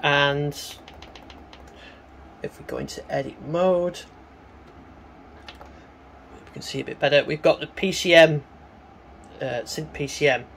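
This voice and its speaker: A man giving a casual, hands-on synthesizer demonstration, talking in a halting way as he works. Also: on the high side, creaky, a bit bright, a little hiss or hum. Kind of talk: casual hands-on gear demo commentary. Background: synthesizer tones.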